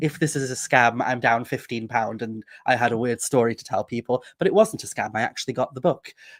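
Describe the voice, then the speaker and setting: A Welsh accent at a fairly quick pace with hardly any pauses, ordinary pitch variation, and a dry, close sound with no echo. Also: man, medium pitch for a man. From Wales. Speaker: author on witchcraft and folklore. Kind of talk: casual interview chat.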